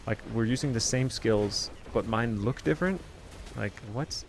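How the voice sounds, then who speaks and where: Here a Swedish man streams himself gaming and talks loosely as he plays, musing aloud and leaning heavily on fillers, his Swedish accent only light. He speaks at medium pitch and a normal speed, with a little hiss or hum on the recording.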